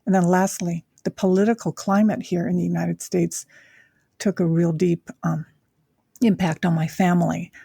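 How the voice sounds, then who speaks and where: Older woman guest from Japan, husky low voice, unhurried and reflective with many pauses, dry sound. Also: level tone, mellow, dry recording. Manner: reflective, with frequent pauses and fillers. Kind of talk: casual interview chat.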